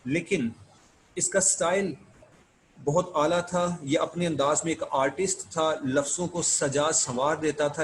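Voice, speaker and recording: A man giving an online literature lecture, explaining notes step by step and reading English passages out slowly. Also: a little high, a little hiss or hum, poor audio. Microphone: screen-share recording.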